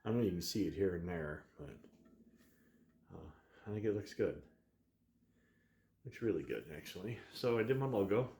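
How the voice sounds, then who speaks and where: A man with a fairly low voice talks casually about his woodworking, rambling a little and chuckling often. He sounds like he is recording in a barn workshop, and the room adds a noticeable echo. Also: animated, normal speed, pauses often, a little mellow, slight background noise. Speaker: woodturning channel host.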